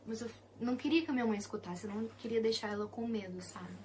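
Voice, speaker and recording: A young woman with a Brazilian Portuguese accent sharing a personal Christian testimony, soft and intimate, often sinking to a hushed whisper. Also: fairly high pitch, fast talker, slight background noise.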